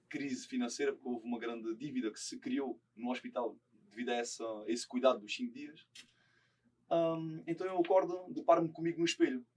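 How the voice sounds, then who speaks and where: A man's voice: medium pitch, a little mellow, breathy edge, recorded from a distance. A man from Portugal with a Portuguese accent, a podcast guest telling his personal story in a careful, earnest way. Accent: European Portuguese.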